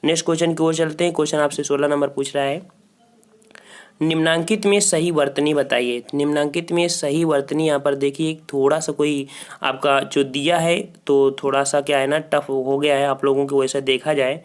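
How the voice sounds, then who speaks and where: A man's voice: fairly high pitch, fairly even intonation, moderate pace. A man walking students through exam questions as a teacher. He repeats each answer and keeps saying "theek hai" as a filler. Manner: repeats answers, frequent "ठीक है" fillers, talks to students directly. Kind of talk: Hindi grammar quiz walkthrough.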